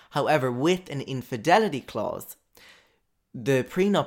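A man with an Irish accent on a very clean recording with a silent background. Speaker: podcast host. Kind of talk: casual solo chat. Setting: home basement recording. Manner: halting, many repetitions and fillers.

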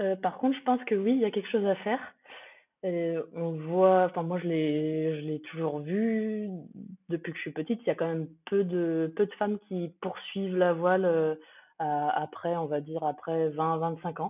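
A woman speaks at a fairly low pitch with ordinary pitch variation. Her pace is fairly slow. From France, Nantes. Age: 30s. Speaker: sailor. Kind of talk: interview. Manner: halting, many repetitions.

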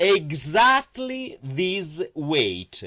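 The voice, in an Italian accent, moves through very wide pitch swings. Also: man. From Italy. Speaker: format creator and lecturer. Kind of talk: interview, casual chat. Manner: halting, hesitant English.

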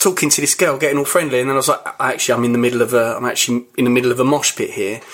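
A man talks with an English accent. His pace is very fast. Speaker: podcast guest. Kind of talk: casual chat. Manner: loud.

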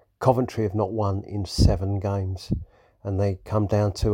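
A man's somewhat breathy, dark, mellow voice, fairly low in pitch, with monotone, flat intonation. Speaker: caller, football fan. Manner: gloomy, rueful.

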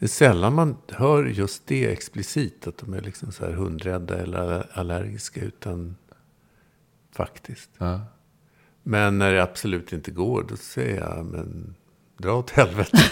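A man with a very deep, low pitch and vocal fry speaks fairly slowly with lively intonation and big swings in loudness. The recording is very clean, with a silent background. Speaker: podcast guest. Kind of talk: casual chat. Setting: at home.

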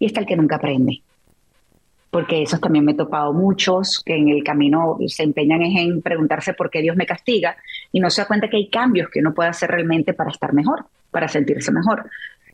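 A somewhat breathy woman's voice, fairly low in pitch with ordinary pitch variation, at a fairly quick pace and very even loudness. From Venezuela. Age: 40s. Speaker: journalist and TV news anchor, author. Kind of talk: interview, personal testimony. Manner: fast.

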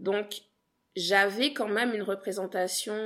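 Very slow delivery from a woman with a medium-pitched voice. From Guadeloupe. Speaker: podcaster. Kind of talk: interview.

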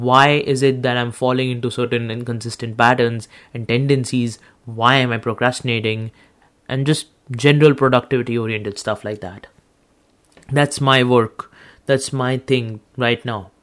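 Here a man speaks at a medium pitch with monotone, flat intonation. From India. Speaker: solo podcaster. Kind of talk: casual monologue. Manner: fast.

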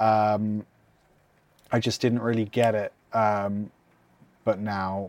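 Speaking at a very slow pace with long, frequent pauses, a man with an English accent keeps his intonation fairly even. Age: 30s. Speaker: podcast host. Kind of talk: casual chat. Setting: livestream, remote call.

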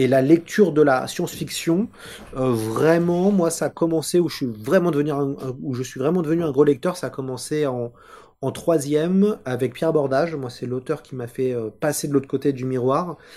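The man's voice sits at a fairly high pitch with a dark, mellow tone. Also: ordinary pitch variation, moderate pace. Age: 30s. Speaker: podcaster and magazine editor. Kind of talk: interview.

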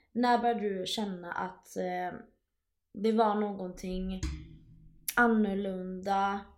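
With audible room echo, a woman speaks at a very slow pace and a medium pitch. Her intonation is monotone and flat, broken by long, frequent pauses. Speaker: podcast host. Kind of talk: casual chat.

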